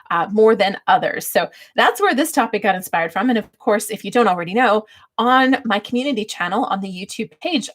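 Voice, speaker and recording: A woman hosting a casual livestream, chatty and informal as she shares advice and quick to laugh. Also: medium pitch. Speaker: livestream host.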